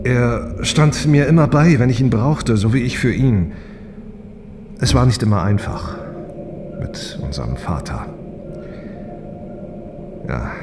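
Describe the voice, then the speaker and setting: An actor playing an easygoing, dutiful test pilot and older brother in an audio drama, casual and thoughtful. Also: male voice, mid-range voice, expressive, slow pace, pauses often, noisy background. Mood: reflective.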